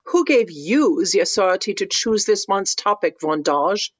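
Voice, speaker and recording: A woman playing a dry, deadpan installation artist in a radio comedy sketch. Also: mid-range voice, normal speed.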